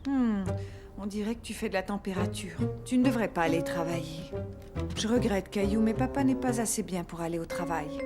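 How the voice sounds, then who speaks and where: A woman's voice: medium pitch, fairly quick, loud music behind the voice, lightly acted. A woman voicing a patient, caring mother in a cartoon dub, talking in a soothing, motherly way. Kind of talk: French cartoon dubbing.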